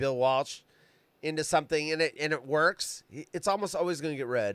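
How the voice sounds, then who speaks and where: A man's animated, fairly high voice at a fairly quick pace, on a very clean recording with a silent background. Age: 50s. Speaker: live stream host. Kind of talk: casual chat.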